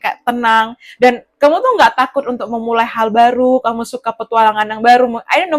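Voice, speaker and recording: A woman giving a casual tarot reading straight to the listener, chatty and rambling. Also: on the high side. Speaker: tarot reader.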